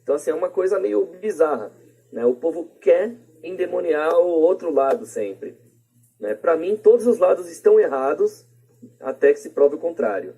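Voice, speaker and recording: A man's voice: a little high, expressive, moderate pace, dark tone, breathy edge, low-quality recording. A Brazilian man giving his opinions casually as a podcast guest, in a colloquial, rambling way with frequent tag questions. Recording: plain podcast voice recording.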